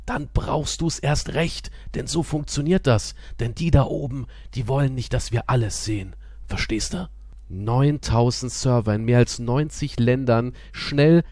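Man doing a hushed conspiratorial ad read. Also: medium pitch, no echo, studio quality. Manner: conspiratorial, shushing, playful. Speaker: host reading a sponsor spot. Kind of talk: comic ad read as a hushed time traveler.

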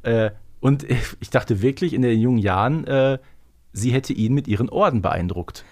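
A man's voice: medium pitch, moderate pace, a little mellow. A man from Germany's Ruhr area hosting a podcast in a casual, chatty style. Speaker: podcast host. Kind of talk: casual chat.

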